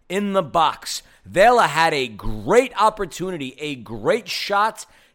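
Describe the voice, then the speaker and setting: A man with an American accent speaks at a fairly slow pace, his high pitch making very wide swings. The recording is very clean, with a silent background. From US East Coast. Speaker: soccer podcast co-host. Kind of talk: match recap; casual chat. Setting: studio.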